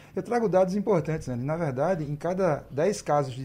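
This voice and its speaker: Somewhat breathy and dark, mellow in tone, the voice keeps a moderate pace with ordinary pitch variation. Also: man. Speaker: physiologist and physical education professor. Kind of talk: radio interview answering health questions. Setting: radio studio.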